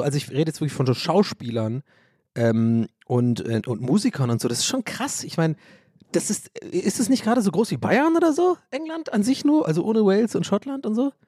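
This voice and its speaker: A man's voice: on the high side, expressive, moderate pace, darkish tone, dry recording, clean studio sound. A man from Ireland hosting a podcast, rambling and joking in casual chat, swearing and mocking himself. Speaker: podcast host.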